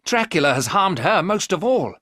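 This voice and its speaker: A man's voice: high voice, sing-song, normal speed, fairly bright tone, no room sound, studio quality, voice pushed up, exaggerated voice. A man voicing an earnest young husband.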